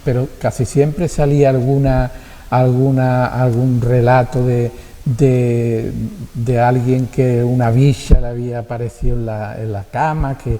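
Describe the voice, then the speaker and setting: A man with an Andalusian accent, a guest speaking thoughtfully and haltingly, often repeating words. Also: medium pitch, level tone, warm tone, big-room sound, slight background noise. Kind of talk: reflective conversation.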